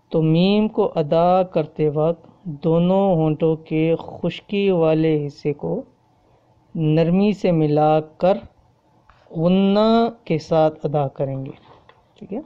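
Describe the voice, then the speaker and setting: In a dull-sounding recording, a woman with a voice on the low side gives an explanatory tajweed lesson. She goes over each rule of Quran recitation patiently and more than once, asking "okay?" to make sure students keep up. Her Arabic examples come out slow and stretched.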